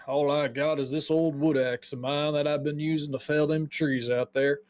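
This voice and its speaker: A man's voice: on the high side, fairly even intonation, normal speed, darkish tone, natural voice. A man voicing a bitter working-class male woodcutter who grumbles coarsely about the city's rulers. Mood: grumbling.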